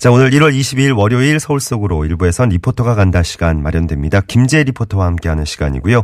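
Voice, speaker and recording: A man with a fairly low pitch talks at a fairly quick pace, his voice making very wide pitch swings. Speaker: radio host. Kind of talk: radio broadcast. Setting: studio.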